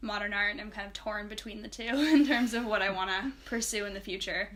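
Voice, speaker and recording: A woman speaks with an American accent at medium pitch. Her tone is bright and sharp, edged with vocal fry. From United States. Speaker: art history student. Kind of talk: interview answer.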